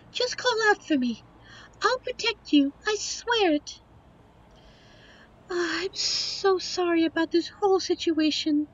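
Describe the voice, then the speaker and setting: A woman's voice: very high-pitched, fairly bright tone, highs cut off. A woman playing a young, devoted succubus girlfriend in an audio roleplay, earnest, emotional and protective. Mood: worried, tender. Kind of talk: audio roleplay drama acting.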